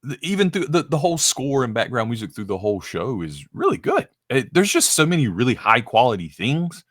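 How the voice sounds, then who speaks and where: A man co-hosting a casual review chat, eager and excited, stumbling and repeating words as he talks. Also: medium pitch, a little fast, dry recording, clean studio sound. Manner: eager, stammering, with many fillers. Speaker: podcast co-host.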